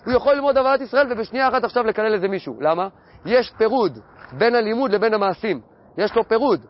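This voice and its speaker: A man giving a Torah lesson, asking questions and answering them himself, and repeating key phrases in a steady teaching cadence. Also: high-pitched, highs cut off. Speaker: religious teacher.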